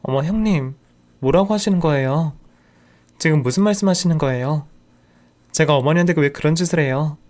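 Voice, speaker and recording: A woman's voice: low voice, a little fast, long pauses, darkish tone, close to an everyday voice. A man voicing a brazen young wife and mother who protests indignantly.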